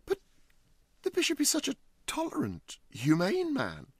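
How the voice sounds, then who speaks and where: A man voicing a flustered, stammering gentleman who grows more and more panicked. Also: huge pitch swings, unhurried, dry recording, exaggerated voice. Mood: indignant. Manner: stammering, high and agitated. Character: flustered, stammering middle-aged gentleman host.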